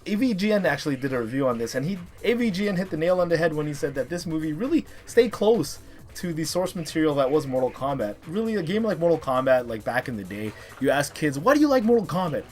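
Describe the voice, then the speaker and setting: Male video host, 30s, slightly high voice, emphatic and chatty review delivery, music underneath. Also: big pitch swings, fast talker. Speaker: host of a top three video series.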